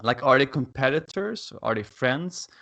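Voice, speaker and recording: A man with a Swedish accent walks through a technical talk on a video call. He sounds eager and keen about his subject, and he fills his pauses with "uh". His voice sits at an ordinary middle pitch. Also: expressive, gravelly, bright, forceful tone. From Sweden. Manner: enthusiastic, frequent "uh" fillers. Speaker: conference speaker. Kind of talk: technical presentation.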